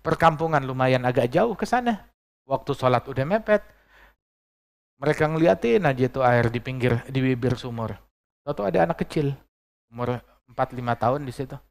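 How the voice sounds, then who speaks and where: Gravelly, lively male preacher. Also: mid-range voice, a little fast, long pauses. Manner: lively storytelling, acting out dialogue, joking asides. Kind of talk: storytelling sermon.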